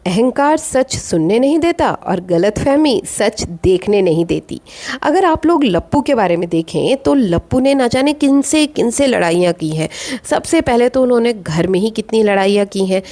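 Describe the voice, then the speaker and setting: A woman's voice: mid-range voice, a little mellow. A woman hosting a commentary vlog, talking in a chatty, opinionated way and asking rhetorical questions. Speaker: vlog host reviewing other vloggers.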